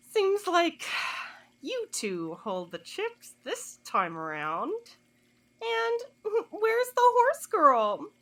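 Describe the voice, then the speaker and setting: A woman's voice: high-pitched, fairly bright tone, full character voice. An actress playing a haughty, sardonic woman cultist in an audio drama, speaking in theatrical, disdainful phrases. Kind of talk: scripted audio drama acting.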